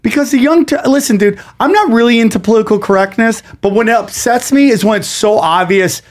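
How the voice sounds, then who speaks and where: A man's voice: high voice, fairly quick. A man who grew up in the United States, a guest comedian in a casual podcast conversation, ranting heatedly and swearing often.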